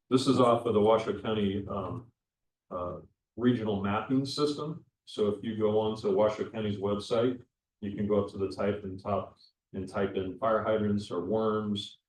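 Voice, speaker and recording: A man with a fairly low voice walks a public meeting through his points one at a time, often restarting a phrase. He is heard from a distance in an echoey room. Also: normal speed, slight background noise. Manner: explanatory, methodical, with frequent restarts. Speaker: county public works official presenting. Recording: echoey room, voice from far off the mic.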